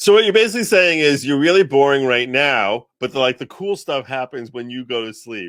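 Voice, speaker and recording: A man at a fairly quick pace with hardly any pauses, fairly high in pitch, with very wide pitch swings and big swings in loudness. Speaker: livestream host. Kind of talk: casual livestream banter.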